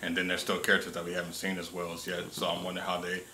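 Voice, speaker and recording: A man's voice: sits low, monotone, rapid-fire, bright, forceful tone. An American man chatting casually with friends, commenting on a story in everyday slang. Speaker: reaction show co-host. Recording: roomy echo, faint background noise.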